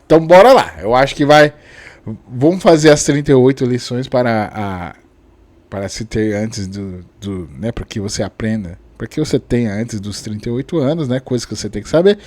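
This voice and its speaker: A man in his late thirties hosting a casual vlog, rambling with many restarts and tag questions and chuckling often, with sudden lively jumps in his voice. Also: mid-range voice, brisk, no echo. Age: 30s. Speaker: channel host. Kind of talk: casual talking-head vlog.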